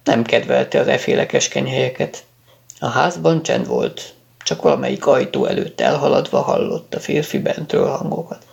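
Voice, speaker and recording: A man narrating a story in a calm, measured audiobook reading. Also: mid-range voice, vocal fry, lo-fi sound.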